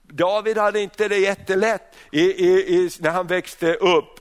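High-voiced man preaching with stumbling restarts. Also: steady tone. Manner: frequent restarts and repeated words, rhetorical questions to the congregation. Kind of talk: sermon.

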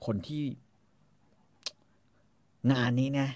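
A man chatting casually as co-host about a documentary, animated and quick to act out what people said in coarse slang. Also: dry recording. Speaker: podcast co-host. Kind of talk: casual film review chat.

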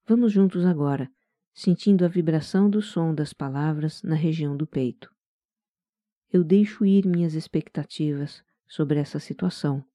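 This is a guided meditation narrated in a Brazilian accent, at medium pitch and normal speed, in a very dark, velvety tone. The delivery is gentle, calm and soft-spoken, like scripted relaxation. The sound is close and dry, with no room sound.

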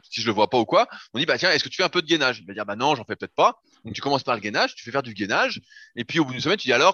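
Fast, bright-voiced male fitness coach. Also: mid-range voice, no room sound. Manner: explains step by step, casual swearing. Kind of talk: casual podcast chat. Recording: dull lo-fi sound.

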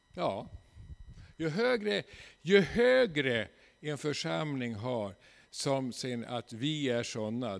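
Gravelly folksy Swedish preacher man. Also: mid-range voice. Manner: folksy, ironic, frequent tag "va?". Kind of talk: seminar sermon. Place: church hall.

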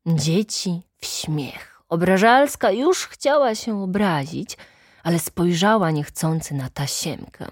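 Woman storyteller, low and unhurried, expressive children's reading, dry studio sound. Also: no room sound. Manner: slow, expressive, animated quoting.

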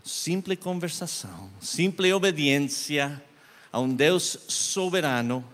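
A man preaching a sermon and telling a story, impassioned, his voice swinging from hushed to loud. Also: on the high side, lively intonation, slow, long reverb tail.

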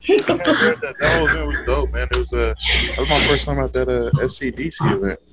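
A man's voice: medium pitch, sing-song, fairly quick, crowd noise, low-quality recording. A man, co-hosting a podcast in a casual, laid-back way that is heavy on "bro" and "like.". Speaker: podcast co-host. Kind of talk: casual chat.

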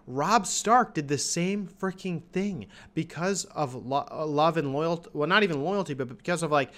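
A young man hosting a podcast, recapping an episode in a casual, exasperated rant that keeps jumping up in pitch on his questions. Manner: exasperated, animated ranting with rising pitch on questions. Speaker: podcast host.

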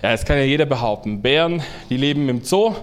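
A man's voice: mid-range voice, lively intonation, fast talker, clean tone, natural voice. A man voicing a dismissive male factory boss in a told fable.

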